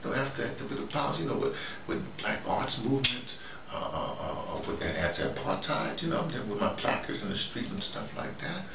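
An older American man giving a rambling, halting conversational monologue, repeating himself and speaking colloquially with emphasis. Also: mid-range voice, very animated, creaky. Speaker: host, storytelling activist. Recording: noisy, roomy, distant microphone.

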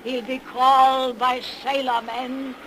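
An ancient witch spins a horror tale in a cracked, cackling crone's voice. She draws out every word with folksy, ominous relish. It is an old 1930s radio broadcast with clear noise over it. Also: high-pitched, flat delivery, a bit bright, heavily acted, low-quality recording. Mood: eerie, relishing. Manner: slow, folksy, ominous storytelling. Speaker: horror series host character.

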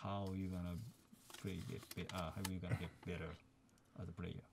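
A young man and basketball player chatting and interpreting between Japanese and English in a radio booth, self-deprecating and quick to laugh. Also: low-pitched, flat delivery, vocal fry, background noise.

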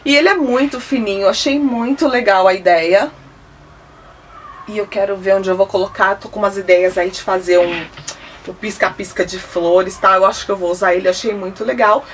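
A woman's voice: medium pitch, moderate pace. A woman, chatting enthusiastically at home about decor items she bought, holding each one up to the camera. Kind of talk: casual product haul chat. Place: indoor room, seated at home. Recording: slightly distant mic, faint hiss.

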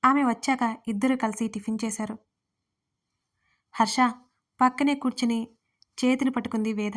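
A woman narrating her own written audio story in a steady, even reading voice. Her pitch sits fairly high and stays flat through the telling. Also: normal speed. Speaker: writer and narrator.

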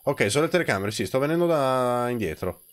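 A man's voice: medium pitch, lively intonation, fairly quick. A man streaming a co-op horror game, bantering and teasing his partner. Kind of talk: casual gaming chat.

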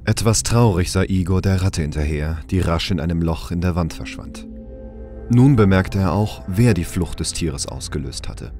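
Narrator for sci-fi radio play: deep male voice, measured scripted storytelling. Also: animated, mellow, soft background music. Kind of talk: scripted audio drama narration.

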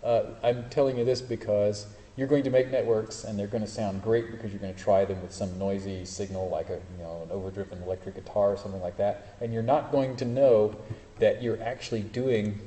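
Recorded in an echoey lecture hall with faint hiss, this is a man running an informal class with live demos, self-correcting and joking dryly. His voice is mellow and on the low side, steady in tone, and a little fast.

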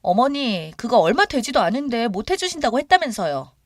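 Brash young daughter-in-law, as a woman puts her on, whiny, entitled, sharp, close dry sound. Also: on the high side, big pitch swings, a little fast, dry recording, pitched above the performer's own voice. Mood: demanding.

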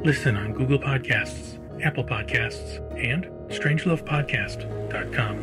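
A man's voice: mid-range voice, unhurried. A man narrating a scripted, dramatic trailer for an audio drama. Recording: music bed under the voice.

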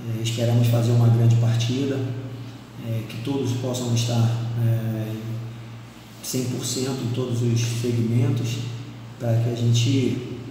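Mellow-voiced football coach in echoey room. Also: male voice, mid-range voice, level tone, measured pace, a little hiss or hum. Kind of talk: interview soundbite. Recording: echoey room, distant mic.

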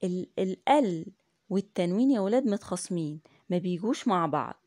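A woman's voice: fairly low pitch, expressive, a little fast, mellow, no room sound, clean studio sound. A woman with an Egyptian Arabic accent teaching young children in a classroom lesson, repeating each point patiently, asking the class questions and praising answers. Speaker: primary school teacher.

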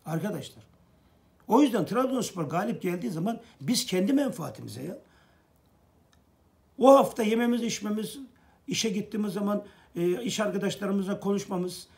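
A man's voice: high voice, a little mellow. A middle-aged man gives an earnest, preachy fan monologue to camera, repeating phrases for emphasis. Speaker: football fan vlogger.

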